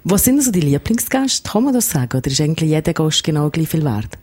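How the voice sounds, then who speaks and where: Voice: medium pitch, big pitch swings, quick pace, darkish tone. A radio show host interviewing a guest in the studio in a chatty, joking way.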